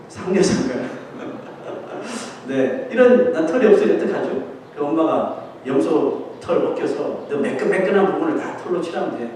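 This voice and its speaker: A pastor preaches from a church hall, his high voice ringing with heavy echo. He is picked up from a distance, with a faint hiss underneath. He tells the story with animation and acts out the voices of its people. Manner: animated storytelling, acting out quoted voices with laughs. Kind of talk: sermon. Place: church sanctuary.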